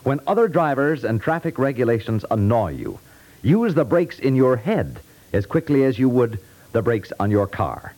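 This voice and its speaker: An American man announcing a scripted 1950s radio public service message, measured and persuasive. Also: mid-range voice, sing-song, a little mellow, low-quality recording.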